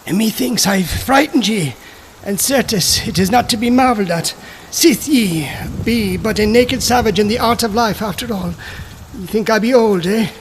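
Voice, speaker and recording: A man's voice: sits high, expressive, unhurried, fairly bright tone, slight background noise, voice pushed up, exaggerated voice. A man voicing an ancient, mad male sorcerer who raves grandly in archaic speech. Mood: mocking.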